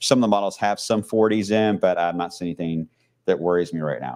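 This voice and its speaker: A man mumbles at a fairly quick pace with ordinary pitch variation. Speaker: TV meteorologist. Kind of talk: casual livestream weather chat. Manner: mumbling; casual, rambling with fillers.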